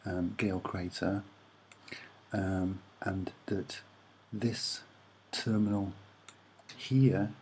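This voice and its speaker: A soft-spoken man giving a hesitant, musing, rambling commentary on images as an amateur presenter. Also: sits low, fairly even intonation, very slow, long pauses, slight background noise.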